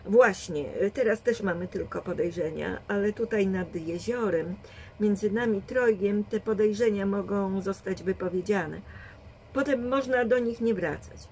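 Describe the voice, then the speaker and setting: Lady reading as a sharp old granny, dry and bossy, calm steady reasoning, mid-pitched. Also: a little hiss or hum, natural voice, rough recording. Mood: firm. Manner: measured, firm reasoning. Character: shrewd old grandmother, dry and commanding.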